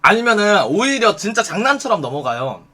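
A man's voice: high-pitched, very animated, a little fast, pushed and bright. A man giving blunt, profane advice on a live stream, acting out the comebacks he suggests.

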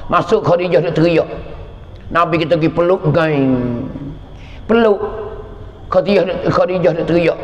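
A man's voice: fairly high pitch, unhurried, long pauses, slight background noise. A man preaching with a Pattani Malay accent, telling a story dramatically and repeating phrases. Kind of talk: storytelling sermon. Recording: echoey hall, dull lo-fi sound.

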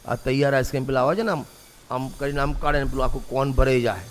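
A man's voice: mid-range voice, fast talker, slight background noise. A man preaching a sermon, repeating a refrain and putting rhetorical questions to his listeners. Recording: long reverb of a large hall.

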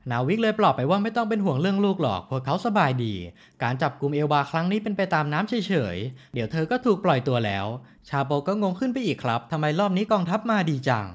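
Lively fast-talking man recapping a series. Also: a little high. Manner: lively, chatty storytelling with polite particles. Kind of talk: casual scripted recap narration.

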